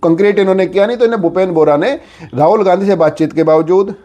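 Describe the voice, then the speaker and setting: High-pitched man delivering political commentary. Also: mellow. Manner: conversational explainer with repeated filler phrases. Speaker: news commentator. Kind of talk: informal political news commentary.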